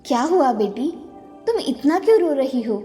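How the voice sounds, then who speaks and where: A woman's voice: high voice, normal speed, distant mic, soft background music. A woman voicing a kind forest fairy. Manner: calm, reassuring. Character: kind forest fairy queen, calm and motherly. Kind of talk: cartoon voice acting.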